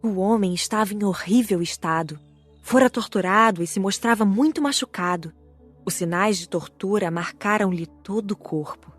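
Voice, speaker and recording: A woman's voice: mid-range voice, normal speed, soft background music. A woman with a Brazilian accent reading a first-person book as an audiobook narrator.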